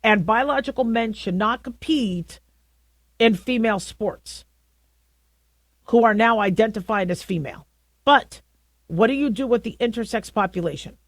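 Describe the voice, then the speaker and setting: Deep-voiced woman radio host. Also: no echo. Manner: conversational, halting with many restarts. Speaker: radio talk show host. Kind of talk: opinionated talk radio monologue.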